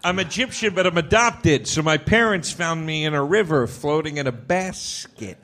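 A man's voice: on the high side, moderate pace, a little hiss or hum. A man telling self-mocking stories as a comedian on a live panel in a club. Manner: animated, self-mocking storyteller. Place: comedy club stage before a live audience.

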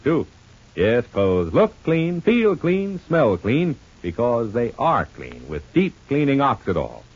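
A man's voice: a little mellow, breathy edge. A man announcing and selling soap in the emphatic style of an old-time radio show, heard through an old muffled radio transcription. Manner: emphatic sales pitch.

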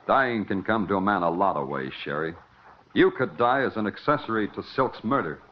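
A man's voice: lowish voice, expressive, a little fast, slight background noise, lightly acted. Man acting hard-boiled detective, sardonic, 1950s radio play, dull lo-fi sound. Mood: terse. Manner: sardonic, clipped. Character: hard-boiled male detective, dry and wry. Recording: muffled old radio broadcast.

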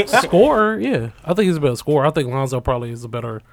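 A man's voice: a little high, expressive, brisk, gravelly. A man in a casual sports podcast chat, laid-back and slangy, laughing often.

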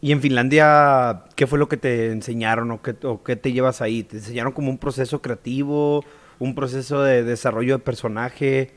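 A man with a Mexican accent hosting a casual interview, asking relaxed, curious questions. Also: medium pitch, moderate pace. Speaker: podcast host.

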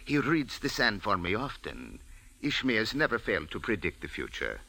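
A suave, courtly Arab host. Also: male voice, fairly low pitch, huge pitch swings, moderate pace, vocal fry, pushed and bright, no room sound, full character voice, rough recording. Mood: courteous. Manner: formal, gracious, polite. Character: tall suave Arab hotel manager and sheikh, courteous. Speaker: hotel manager. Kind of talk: 1940s radio acting.

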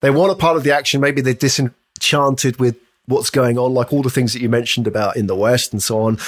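A man hosts a relaxed, conversational interview. He has a mid-range voice and a talkative, rambling way of building up to his questions. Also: medium pitch, brisk. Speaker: podcast host interviewing a guest.

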